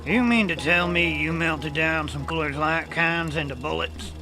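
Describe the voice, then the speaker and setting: A man's voice: on the high side, measured pace, over music. A man playing a folksy, word-muddling country man who is secretly a beast, in an audio drama with a Southern American accent. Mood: puzzled, skeptical. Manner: folksy, drawling, muddles words. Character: folksy rural Louisiana man, secretly a man-eating werewolf.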